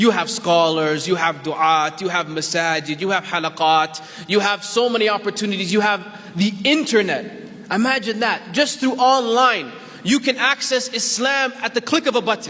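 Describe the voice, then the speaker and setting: A raised, projected voice with lively intonation over noticeable background noise. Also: man. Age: young. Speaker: spoken word poet. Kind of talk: motivational talk. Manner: fast.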